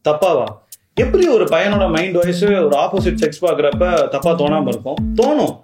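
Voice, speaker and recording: Young man acting, exasperated blunt boyfriend in a comedy short, rapid delivery, roomy sound with loud music. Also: a little high, animated, close to an everyday voice. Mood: blunt, candid. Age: young adult. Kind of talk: naturalistic colloquial phone dialogue.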